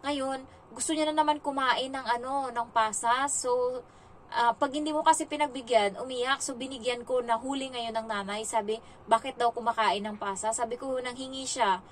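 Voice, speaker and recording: Woman from the Philippines, young adult, fairly high voice, chatty storytelling vlog, faint background noise. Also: moderate pace, recorded from a distance, poor audio. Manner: chatty, animated retelling with many fillers. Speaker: domestic helper vlogger.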